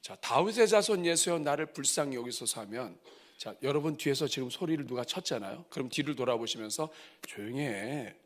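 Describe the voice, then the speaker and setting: A middle-aged man preaching at a church revival, moving from soft asides to loud cries. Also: medium pitch, lively intonation, brisk. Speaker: pastor. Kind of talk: revival sermon. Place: church sanctuary.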